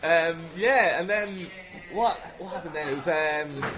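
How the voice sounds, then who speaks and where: A man's voice: on the high side, unhurried, noisy background. A man answering as a podcast guest in a casual, chatty, informal way, peppered with swearing. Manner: chatty, informal, sweary, frequent "like" and "you know". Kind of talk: casual conversational interview answers.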